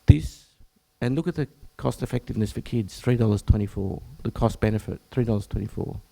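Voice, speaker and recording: Hoarse and croaky from much talking, this Australian male general practitioner presents at an information session for health professionals. Throat-clearing is frequent, and he often stops mid-phrase to begin again. The voice is lowish and mellow, moving a little fast.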